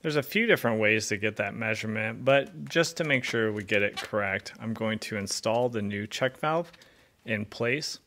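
Bright-voiced man explaining a basement repair. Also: on the low side, normal speed, slight background noise. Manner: clear, methodical, practical explaining. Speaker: home repair instructor. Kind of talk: step-by-step how-to explanation. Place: basement with concrete walls.

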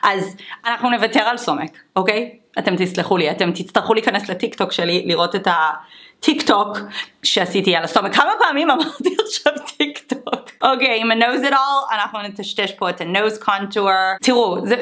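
A chatty woman talks through her makeup routine in a casual vlog. Her pitch sits in the middle of the range. She drops English exclamations in between her running commentary. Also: bright, forceful tone. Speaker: beauty vlogger. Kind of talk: casual makeup tutorial chat.

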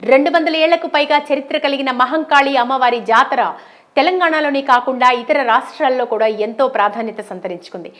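Higher-pitched woman narrating news. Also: a little fast, fairly bright tone.

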